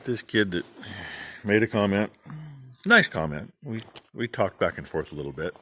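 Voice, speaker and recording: A middle-aged man, a farmer vlogging, giving rambling, plain-spoken shout-outs in a casual way. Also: lowish voice, lively intonation, moderate pace. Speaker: farm channel vlogger.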